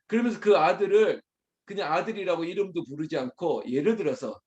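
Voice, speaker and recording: A man's voice: sits high, fairly quick, darkish tone, lo-fi sound. A man preaching as pastor at an early morning prayer service, talking animatedly and addressing the congregation directly.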